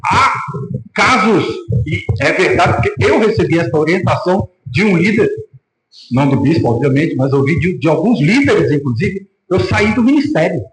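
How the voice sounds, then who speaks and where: Brazilian pastor guy preaching, kinda high voice, lots of room echo. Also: normal speed. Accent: Brazilian Portuguese. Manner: animated preaching, acting out quoted voices. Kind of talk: sermon. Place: church hall. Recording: echoey church room.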